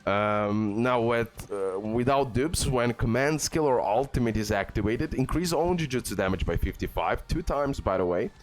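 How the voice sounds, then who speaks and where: A man's voice: medium pitch, lively intonation, normal speed, hardly any pauses. A man giving casual game guide commentary, enthusiastic and full of fillers. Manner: enthusiastic, repeats "guys" and "okay", filler-heavy. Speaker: gaming YouTuber. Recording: faint background music.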